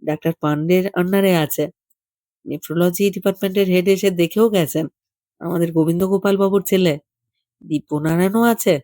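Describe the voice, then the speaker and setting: A narrator reading a literary short story in an intimate, gentle fireside storytelling manner. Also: medium pitch, steady tone, fairly quick, no echo, studio quality. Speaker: audiobook story reader.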